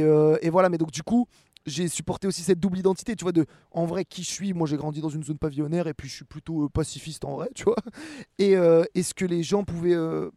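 A French man in his 20s, an actor and rapper appearing as a guest, gives casual interview answers in a relaxed, rambling way full of fillers and restarts. His voice is a little high, and the sound is clean studio quality with no room sound.

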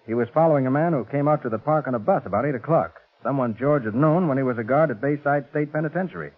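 An actor playing a brisk, self-assured private detective in a 1940s radio drama, decisive and matter-of-fact. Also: male voice, mid-range voice, natural voice. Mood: firm, explaining. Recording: muffled, narrow-band 1940s radio recording.

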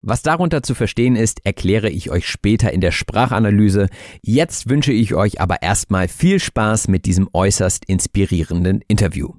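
Low-voiced, measured male podcast host. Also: expressive, a little mellow. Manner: measured, clear, teacherly delivery. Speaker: podcast host and German teacher. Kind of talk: scripted intro, then interviewing.

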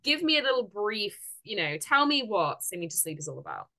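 A woman hosts a casual podcast interview with a bright, sharp-edged voice that is thick and stuffy from a head cold. She gushes with excitement and laughs easily, sitting at a medium pitch for a woman. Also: fairly quick. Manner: gushing, enthusiastic, laughs often. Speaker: podcast host.

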